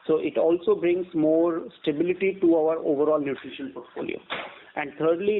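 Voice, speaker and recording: Over a narrow, tinny phone line, a male company executive answers questions on an earnings call. His voice sits a little high for a man. He explains in a measured but halting way, repeating words as he goes.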